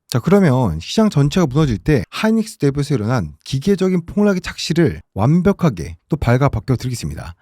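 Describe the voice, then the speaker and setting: A man hosting an emphatic stock market commentary, with a hoarse voice from a sore throat and a dramatic, rhetorical way of talking. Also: mid-range voice, dry recording, studio quality. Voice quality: hoarse, husky. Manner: dramatic, rhetorical, forceful wording. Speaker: stock analysis host.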